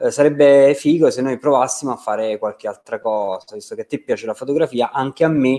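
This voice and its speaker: A dark, mellow tone carries ordinary pitch variation at a fairly quick pace. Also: man. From southern Italy, Campania. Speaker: wedding photographer. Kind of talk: interview.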